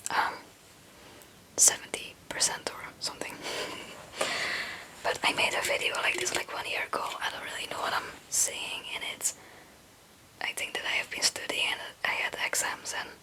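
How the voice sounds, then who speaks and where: A young woman from Belgium, a non-native English speaker, whispering a casual, hesitant and meandering ASMR chat in a breathy voice. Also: bright, forceful tone, poor audio. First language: not English. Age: young adult. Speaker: ASMR video creator.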